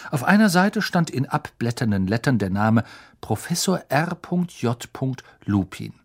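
A man narrating a story as an audiobook, with expressive storytelling. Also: mid-range voice, unhurried, slightly rough. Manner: expressive storytelling, varied intonation.

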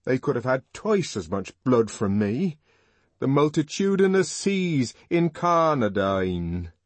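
Man playing an intense young man, slow trembling declamation, loud and raised, husky tone, dry studio sound. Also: lowish voice, big pitch swings, no room sound, full character voice. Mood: anguished. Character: intense young man, proud, tormented and theatrical.

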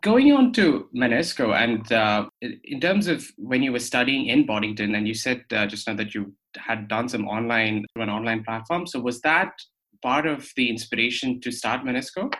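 A man's voice: medium pitch, lively intonation, normal speed, fairly bright tone, poor audio. A young man from Australia hosting a podcast interview, friendly and a bit hesitant, with fillers and restarts. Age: young adult. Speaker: podcast host. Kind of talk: conversational interview.

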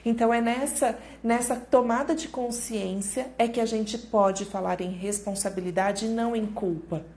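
A woman's voice: on the high side, fairly even intonation, moderate pace, hardly any pauses, a little mellow. A woman with a Brazilian Portuguese accent hosting a live stream on parenting, explaining patiently, repeating key phrases and acting out example thoughts.

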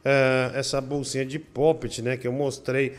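A man's voice: mid-range voice, little pitch movement, moderate pace. A man hosting a live stream in casual chat, rambling and tagging his talk with "né?" while he shows things to the camera. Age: adult with a daughter. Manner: rambling, full of "né?" and "ó" tags.

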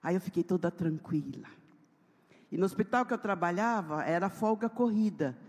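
Animated São woman pastor, long hall reverb. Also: fairly low pitch, normal speed. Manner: animated storytelling, acting out dialogue. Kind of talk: testimony sermon.

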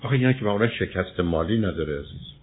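A man with a husky voice, a radio advice host who probes with questions and interrupts insistently. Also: low-pitched, animated. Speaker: advice show host addressed as doctor. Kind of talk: question-and-answer counselling on radio. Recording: muffled, thin phone-like radio sound.

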